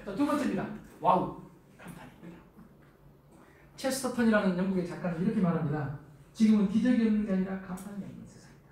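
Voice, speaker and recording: A middle-aged man giving a lively lecture to a live audience, acting out the spouses he quotes in a raised voice. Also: high voice, fast, pauses often. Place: lecture hall. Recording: echoey hall from far off, faint noise.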